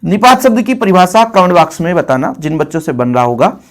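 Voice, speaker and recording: A man's voice: sits high, brisk. A man teaching an exam-prep lesson, explaining terms, asking questions and repeating answers for his students. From India. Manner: explains, quizzes and repeats, addressing students as children.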